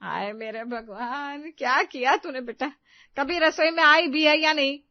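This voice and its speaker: A woman's voice: sits high, measured pace, no room sound, lo-fi sound. A woman voicing a strict, bossy middle-aged mother-in-law in a cartoon story. She scolds and gives orders. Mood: scolding. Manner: scolding, commanding. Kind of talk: Hindi cartoon story voice acting.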